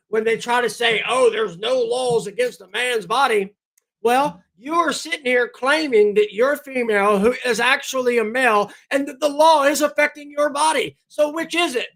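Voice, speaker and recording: A man hosting a political commentary livestream, blunt and combative, talking straight to his chat with a voice going hoarse. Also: very high voice, a bit bright. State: losing his voice, clears throat. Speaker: livestream host.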